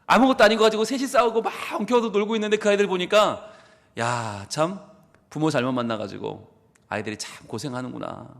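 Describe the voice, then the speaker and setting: A man's voice: high voice, a little fast, creaky. A man with a Busan Gyeongsang accent preaching a sermon as pastor of a church, telling a story and acting out its people. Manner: animated storytelling, acts out the people in his story. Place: church sanctuary. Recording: long church hall reverb.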